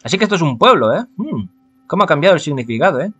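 A man's voice: fairly high pitch, very animated, very fast, a bit bright, breathy edge, soft background music. A man from reads a visual novel aloud, adding casual, wry commentary as he goes. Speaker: gaming streamer.

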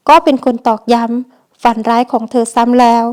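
A woman narrating a romance audiobook in a measured, dramatic storytelling manner. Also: on the high side, fairly even intonation, a little mellow, clear, resonant tone. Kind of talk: scripted novel narration.

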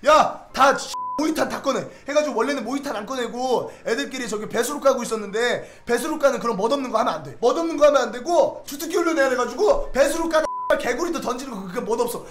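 Fast-talking high-voiced young man. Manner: animated, acts out quoted voices, swears freely. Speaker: streamer. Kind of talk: casual storytelling. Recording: roomy echo.

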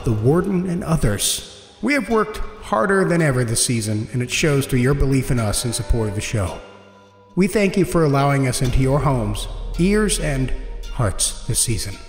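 A man presenting a podcast, reading scripted credits and announcements to listeners. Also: a little high. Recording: echoey, reverberant, soft music underneath.

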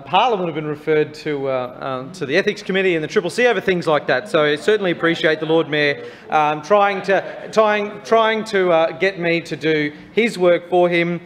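Higher-voiced Australian man, halting, in echoing hall. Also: a bit bright. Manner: halting, critical, repeats words. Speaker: opposition councillor. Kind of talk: political debate speech. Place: large wood-panelled council chamber. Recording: reverberant council hall.

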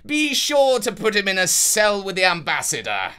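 A woman voicing an arrogant, jealous older fairytale king in a measured, imperious manner. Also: mid-range voice, wildly swooping pitch, bright, forceful tone, clear, resonant tone, pitched above the performer's own voice. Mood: vindictive.

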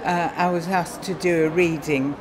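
An older woman telling a personal story in a big, clear voice. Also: lowish voice, fairly even intonation, moderate pace, a crowd in the background. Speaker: churchgoer. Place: church hall.

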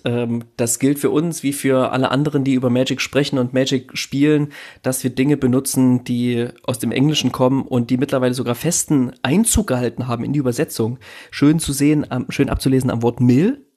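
Husky German man musing on a podcast. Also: mid-range voice, darkish tone. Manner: reflective, rambling with restarts and fillers. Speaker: podcast host. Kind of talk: casual podcast discussion.

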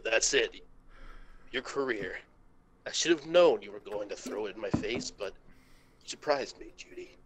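A man voicing a hurt, bitter adult male fox, pleading with halting intensity in an amateur comic reading. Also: fairly low pitch, animated, slight background noise, voice pushed down, lightly acted, rough recording.

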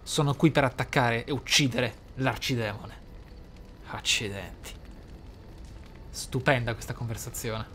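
The host of this role-playing let's play has a medium-pitched, slightly bright voice and a measured pace with long pauses. Game music and slight background noise accompany his musings and theatrical interjections.

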